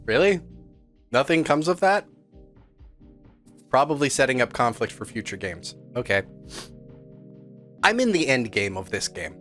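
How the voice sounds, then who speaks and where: A man's voice: mid-range voice, big pitch swings, unhurried, long pauses, fairly bright tone, faint music behind. A man streaming a story game, chatting playfully and making jokey asides as he reads. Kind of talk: casual game stream, reading story aloud.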